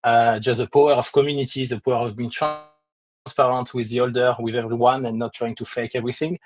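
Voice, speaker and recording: A man's voice: mid-range voice, level tone, a little fast, poor audio. A man from France with a strong French accent, speaking as a guest in a casual online audio chat and filling his talk with many hesitant "uh"s. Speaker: crypto project lead and guest.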